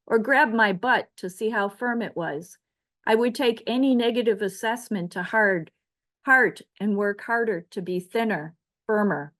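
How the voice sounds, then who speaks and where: A middle-aged woman from the Chicago area, reading her own memoir essay aloud in a measured, reflective way. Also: lowish voice. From Chicago area, United States. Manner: measured, reflective delivery of a prepared text. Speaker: author.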